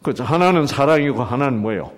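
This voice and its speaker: A man's voice: mid-range voice, expressive, quick pace. A man preaching a sermon, asking the congregation questions and acting out quoted lines in shifting voices. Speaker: pastor.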